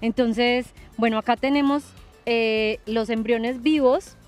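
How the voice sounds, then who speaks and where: A young woman hosting a TV gardening show, talking calmly outdoors in a garden with a few fillers. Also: a little high, takes it slowly, faint music behind. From Colombia. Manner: calm, explanatory, with fillers. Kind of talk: relaxed TV show conversation.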